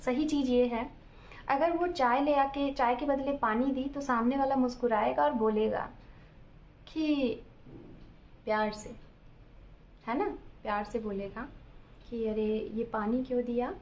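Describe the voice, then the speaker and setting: A woman's voice: high-pitched, a little slow, pauses often, darkish tone. A woman tarot reader giving casual relationship advice, talking straight to her viewers and explaining with everyday examples. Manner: explains with everyday examples, often checks in with "ठीक है"; addresses viewers directly.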